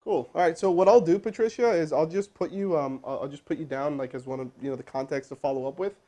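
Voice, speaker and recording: A fired-up man coaching cold calls live from a room full of crew, his voice sitting a touch high. He talks fast and loose, hyping the viewers between calls. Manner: energetic, pumped-up, casual, with chatty asides. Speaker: sales trainer hosting a live stream. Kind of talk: hyped live-stream coaching and cold calling. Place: indoor room with crew present.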